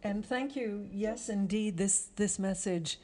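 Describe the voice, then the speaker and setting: A woman's voice: medium pitch, takes it slowly, mellow. A woman hosting a conversational interview, articulate and appreciative in her way of talking. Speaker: interview host.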